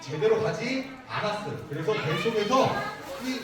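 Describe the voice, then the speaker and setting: A man's voice: high voice, animated, moderate pace, music in the background. A man preaching to young children, asking them questions and repeating their answers. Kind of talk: children's sermon with call-and-response questions. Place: church worship room. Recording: echoey room, mic at a distance.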